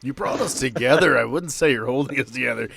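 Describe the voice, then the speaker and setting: A man with a mid-pitched voice talks as the game master and host of a casual podcast. His delivery is conversational and playful, full of teasing banter. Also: quick pace, vocal fry, a crowd in the background. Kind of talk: casual podcast chat introducing players of a tabletop game.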